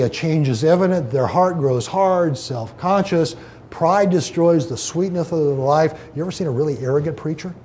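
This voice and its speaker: A preacher man with a mellow, darker voice teaches scripture in a relaxed, chatty way. He restarts his sentences often and pauses to read out quotations. A faint low rumble sits under the recording. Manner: conversational, many fillers and restarts, reads quotations aloud. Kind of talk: informal Bible teaching.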